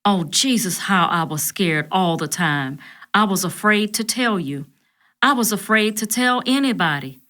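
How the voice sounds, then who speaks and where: A woman voicing a hurt, fragile singer, speaking in a slow drawl through tears. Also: mid-range voice, lively intonation, sharp tone. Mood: sorrowful. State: tearful.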